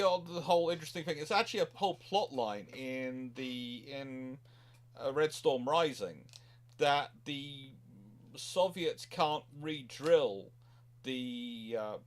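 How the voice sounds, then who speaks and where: A man with a medium-pitched voice talks casually as a show host. He explains in a rambling, digressive way, often doubling back and repeating words as he goes. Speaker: naval history show host. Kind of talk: casual panel chat.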